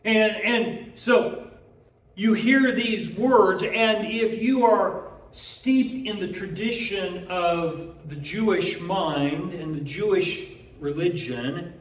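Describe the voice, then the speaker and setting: A man's voice: sits high, takes it slowly, roomy sound, distant mic, rough recording. A man preaching a sermon in an earnest way, who often repeats words as he restarts and draws out key phrases.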